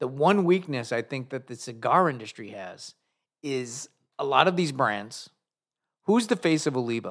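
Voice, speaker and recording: A man speaks at a fairly high pitch in a normal speaking voice, with lively intonation and a moderate pace. His loudness swings widely, on a very clean recording with a silent background. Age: 50s. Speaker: cigar shop owner. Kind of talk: casual chat.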